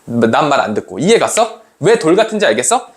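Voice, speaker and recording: A man teaching literature to students in a lively lecture, asking them questions and acting out quoted lines. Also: a little high, a little fast.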